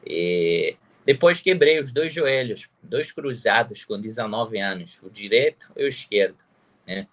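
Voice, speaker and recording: Guesting in an online interview, a man from Pisa in Tuscany gives a casual introduction in his second language, his Italian accent clear. He speaks unhurriedly in a lowish, animated voice.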